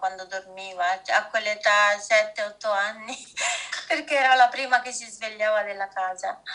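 With a bright, sharp tone and a fairly high pitch, a woman speaks at a moderate pace with fairly even intonation and big swings in loudness. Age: 50s. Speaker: course participant. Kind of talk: testimony. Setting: video call.

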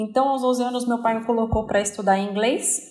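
A woman speaks with ordinary pitch variation. Audible room echo and noticeable background noise run through the clip. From Brazil, São Paulo (Zona Norte). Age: 30s. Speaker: security company director. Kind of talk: podcast interview.

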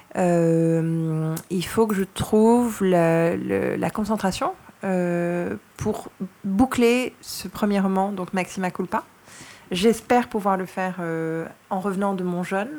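A very slow woman's voice with a Moroccan accent, ordinary pitch variation, and long, frequent pauses. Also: medium pitch for a woman. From Luxembourg. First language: Moroccan Arabic (speaking French). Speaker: novelist. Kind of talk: interview.

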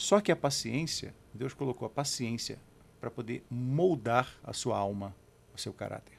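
A man speaks fairly slowly at a medium pitch, in a plain, everyday voice. His intonation is lively, and his loudness swings widely. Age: 40s. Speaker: pastor and gospel music producer. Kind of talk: casual interview.

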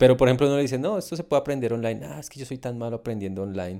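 A man speaks with a dark, mellow tone and lively intonation on a very clean recording with a silent background. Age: 30s. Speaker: web developer. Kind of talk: interview storytelling. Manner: halting, many repetitions.

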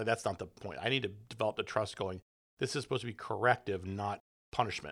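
Recorded very cleanly against a silent background, a man speaks at a fairly low pitch. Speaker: small business owner. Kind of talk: casual chat. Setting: studio. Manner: loud.

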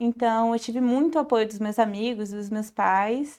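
A woman speaks at a fairly high pitch in a dark, mellow tone, on a very clean recording with a silent background. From Salvador, Bahia, Brazil. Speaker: medical resident in anesthesiology. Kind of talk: casual interview.

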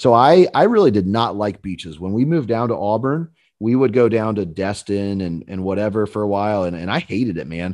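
Against a quiet background, a man with an American accent has an ordinary speaking voice. He talks at a fairly quick pace, fairly low in pitch, with lively intonation. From US, Pittsburgh, Pennsylvania. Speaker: fantasy football podcast host. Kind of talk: casual chat.

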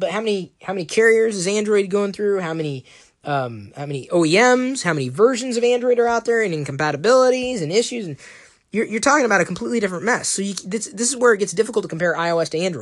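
A man's high voice at a very fast pace, with lively intonation. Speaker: podcast host and livestreamer. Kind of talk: casual solo podcast monologue. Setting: home studio, livestreamed. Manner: less energetic than usual.

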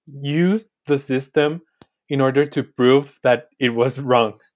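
A man with a Spanish accent speaks at a very slow pace in a medium pitch, his intonation fairly even, on a very clean recording with a silent background. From Mexico. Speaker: podcast host and law student. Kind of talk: interview. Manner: halting, many fillers.

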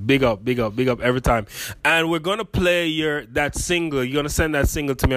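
A man has an unremarkable speaking voice. He talks at a fairly quick pace with ordinary pitch variation. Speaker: podcast host. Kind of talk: interview.

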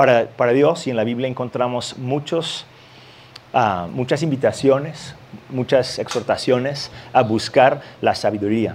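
Over noticeable background noise, a man talks at a fairly slow pace. His pitch is medium, with ordinary variation. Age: 40s. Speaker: pastor. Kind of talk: sermon.

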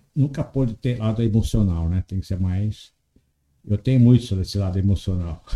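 At a moderate pace, the dark, mellow voice moves with ordinary pitch variation. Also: man, fairly low pitch for a man. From rural Brazil, moved to Guarulhos. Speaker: business owner. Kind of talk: casual interview.

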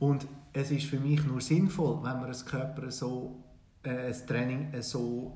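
Audible room echo and noticeable background noise surround a man who speaks very slowly at a medium pitch with fairly even intonation. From Switzerland. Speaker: former pro wrestler and personal trainer. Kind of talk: interview.

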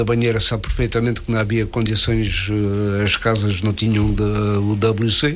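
Against audible room echo, a man talks at a moderate pace and medium pitch with monotone, flat intonation. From Portugal, Pinhal Novo (Setúbal). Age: 60s. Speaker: local community activist. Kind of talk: radio interview. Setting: radio studio. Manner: halting.

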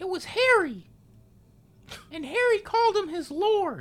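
A squeaky put-on character voice moves at a fairly slow pace with lively intonation. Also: woman, extremely high pitch for a woman. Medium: actual play. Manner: hesitant, chatty, with nervous laughs.

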